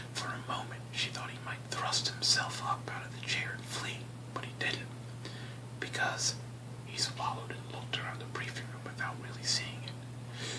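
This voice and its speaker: A soft-spoken whisper comes through over noticeable background noise. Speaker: ASMR reader. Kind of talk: whispered audiobook reading of a novel chapter. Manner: whispered, soft.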